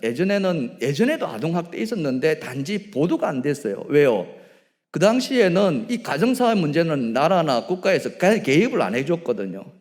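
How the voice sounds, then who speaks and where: A man preaching a sermon as a pastor, animated and emphatic, often asking his congregation questions and dropping to quieter asides. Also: fairly high pitch, big-room sound. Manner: asks the congregation frequent questions. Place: church sanctuary.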